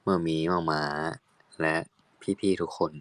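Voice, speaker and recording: Young male actor, low-pitched and unhurried, dry close phone sound, playful casual fan chat. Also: very animated, creaky, no room sound. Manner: chatty, playful, switches into halting English.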